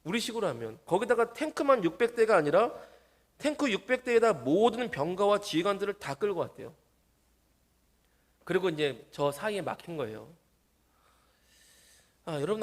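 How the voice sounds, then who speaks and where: A male pastor delivering a sermon in a church, his fairly high voice lively and expressive. He talks straight to the congregation and slips into the voices of the people he quotes, swinging up and down in pitch and loudness. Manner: animated, acts out quoted voices.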